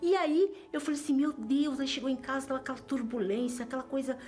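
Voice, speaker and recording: A woman's voice: high voice, quick pace, a little mellow, soft background music. Earnest Brazilian woman giving testimony. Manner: earnest, emotional, repeats phrases for emphasis. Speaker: church member giving testimony. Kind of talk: personal religious testimony.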